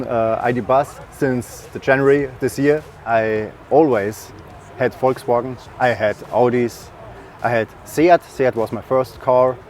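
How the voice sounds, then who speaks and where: A man with a German accent talks in a friendly, measured way. He answers questions steadily while standing outdoors at a car gathering. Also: mid-range voice, darkish tone, slight background noise. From Bavaria, Germany. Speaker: event attendee interviewed.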